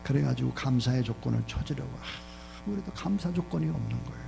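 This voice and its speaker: A man's voice: medium pitch, lively intonation, fast, vocal fry, noisy background. A man preaching a sermon as pastor, emphatic, leading his congregation to repeat lines after him.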